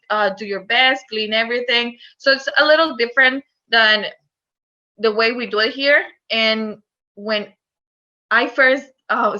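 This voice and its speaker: A Costa Rican woman who educates people about recycling gives an earnest online presentation in Costa Rican-accented Spanish, using lots of fillers. Her voice is on the high side, pushed and bright, and the recording sounds muffled.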